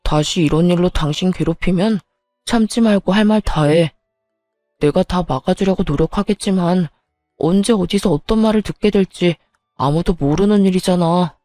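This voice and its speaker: A firm, protective husband, voiced by a woman reading a story, blunt and steady, with a slightly lowered voice. The sound is mellow and close. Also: no room sound, lightly acted. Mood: gentle.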